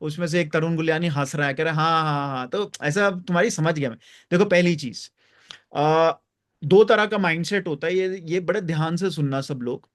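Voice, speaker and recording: A man hosting a live reflection session, stressing key phrases slowly and inviting listeners to share. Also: on the high side. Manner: warm, encouraging invitations to share. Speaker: host and reflection guide. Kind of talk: reflective talk to a live group.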